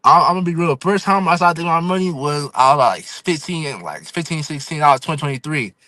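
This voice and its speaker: A man's voice: fairly high pitch, animated, fast, pushed and bright, no room sound. A young man of eighteen, talking loosely as a podcast guest and saying "you feel me" again and again. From Fresno, California and Houston. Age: young adult. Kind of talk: casual podcast chat.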